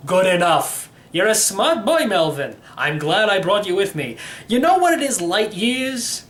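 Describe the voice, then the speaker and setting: A man's voice: sits high, big pitch swings, a little slow, fairly bright tone, exaggerated voice. Here is a man acting an eccentric elderly uncle from a children's storybook. He is brusque and emphatic, quizzing his listener like a self-appointed teacher and pressing each point home. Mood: brisk, lecturing. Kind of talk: storybook character reading.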